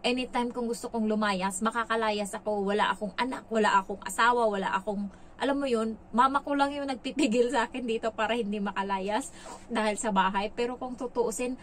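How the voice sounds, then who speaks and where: A woman from the Philippines who works as a domestic helper, talking frankly to her viewers in a rambling, conversational way full of filler pauses. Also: fairly high pitch, steady tone, fairly bright tone, slight background noise, rough recording. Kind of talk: casual vlog talk to viewers.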